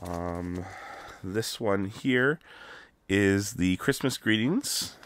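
A Canadian man hosting a casual crafting tutorial, chatty with many ums, his voice still rough from being sick. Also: on the low side, drawn-out words, a bit bright. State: recovering from illness, voice still rough. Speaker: craft video host.

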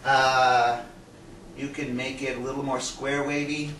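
A man's voice: medium pitch, flat delivery, unhurried. A middle-aged man presenting to camera in a playful, showman-like way, demonstrating as he explains. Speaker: science presenter. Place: small indoor room with projector screen. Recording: roomy, distant camera mic, noisy.

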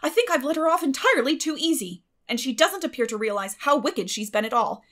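A woman voicing a stern, plain-spoken older spinster with a brisk, firm manner in a storybook reading. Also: sits high, animated, a bit bright, voice pushed up. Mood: scolding. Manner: brisk, firm, matter-of-fact.

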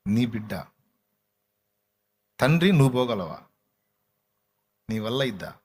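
A man preaching a sermon to a congregation, emphatic, questioning and urging his listeners, swinging between loud cries and low asides. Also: very animated, slow.

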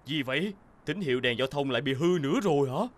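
A man's voice: on the high side, expressive, quick pace, a little hiss or hum, natural voice. A man playing a weary, dutiful young police officer in a children's cartoon. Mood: businesslike. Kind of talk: animated children's cartoon dubbing.

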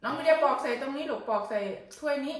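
A woman's voice: high-pitched, quick pace. A woman from northeastern Thailand with an Isan accent, chatting casually and coaxing her child while cooking and eating at home. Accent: Isan Thai. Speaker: vlogger and mother. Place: home kitchen. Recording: echoey room, distant mic, dish clatter.

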